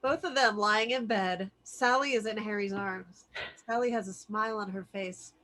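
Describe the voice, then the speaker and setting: A woman's voice: medium pitch, steady tone, moderate pace, fairly bright tone. A woman narrating the stage directions of a film script expressively at a virtual table read.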